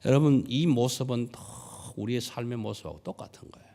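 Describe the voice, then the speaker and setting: A male pastor giving a sermon in a church, animated and dramatic, often dropping to near-whispers. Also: medium pitch, brisk, vocal fry. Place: church sanctuary.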